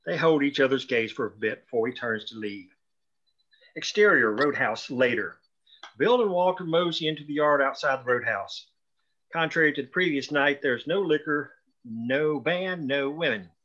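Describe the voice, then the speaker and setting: A man's voice: medium pitch, expressive, normal speed, a bit bright, dull audio. A man reading scripted stage directions aloud at a screenplay table read.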